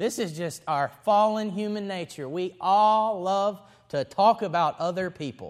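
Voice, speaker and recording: A man with a Southern US accent speaks in a high voice with ordinary pitch variation, recorded very cleanly over a silent background. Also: fairly slow pace. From US South, Alabama. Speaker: pastor. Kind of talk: sermon. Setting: church.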